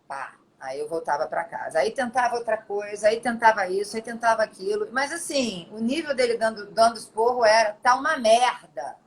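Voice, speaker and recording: A middle-aged actress chatting as an interview guest, telling her stories in an animated, expressive way. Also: fairly high pitch, a little fast, hardly any pauses, a little hiss or hum, low-quality recording. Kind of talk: casual storytelling interview.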